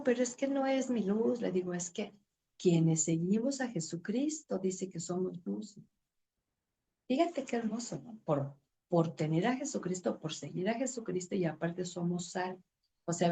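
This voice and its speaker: A middle-aged woman teaching a women's ministry Bible lesson, expressive, acting out dialogue and reading scripture slowly. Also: fairly low pitch. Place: church.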